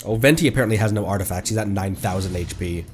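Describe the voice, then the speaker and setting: Halting male game streamer over music. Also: sits low. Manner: halting, thinking aloud. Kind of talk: casual livestream gameplay commentary.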